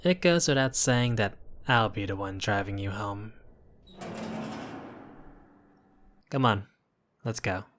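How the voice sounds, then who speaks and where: A man's voice: on the low side, fairly bright tone, natural voice. A man playing an apologetic, charming mafia boss in an audio roleplay, courteous and wry with a flirtatious streak. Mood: amused, charmed. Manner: unhurried, flirtatious, wry, addressing listener as doll. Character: apologetic, charming mobster, exasperated yet courteous. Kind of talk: intimate audio roleplay acting.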